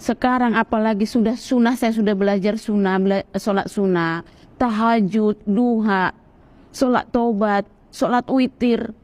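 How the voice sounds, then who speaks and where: A woman from Sumatra telling her story as a Muslim convert in an earnest, animated way, acting out other people's voices. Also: mid-range voice, a little slow. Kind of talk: personal testimony, storytelling.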